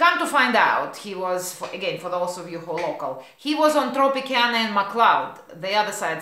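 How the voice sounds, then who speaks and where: A woman speaks in a Russian accent at a moderate pace with lively intonation. Noticeable background noise and audible room echo surround her. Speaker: rideshare driver vlogger. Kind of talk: casual storytelling vlog. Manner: halting, repeats words.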